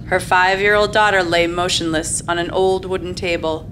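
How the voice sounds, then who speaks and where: A woman's voice: lowish voice, fairly even intonation, normal speed. A woman reading scripted narration for a radio drama. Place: theater stage. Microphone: stand microphone. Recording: noisy live stage recording.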